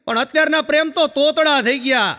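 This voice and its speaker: A man doing lively stand-up jokes and teasing the audience. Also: very high voice, brisk, long reverb tail. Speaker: stand-up comedian.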